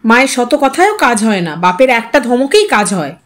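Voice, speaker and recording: A woman's voice: on the high side, big pitch swings, normal speed. A woman voicing an anxious, easily hurt mother who frets and scolds in an agitated way, in an audio story. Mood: agitated, fretful. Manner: agitated, fretful complaining.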